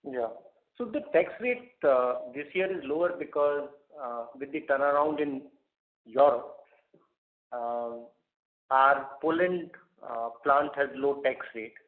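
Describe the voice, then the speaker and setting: A male finance executive explains figures on an earnings call. His voice sits at a middling pitch and he builds sentences haltingly. The audio is thin, like a telephone. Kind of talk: unscripted earnings call answers. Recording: narrow phone conference line.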